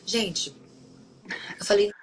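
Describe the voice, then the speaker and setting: A woman with a medium-pitched voice speaks slowly in a low-quality recording with slight background noise. She hosts a Christian live stream, mixing conversational devotional talk with scripture reading. She often tags her sentences with questions and restarts them.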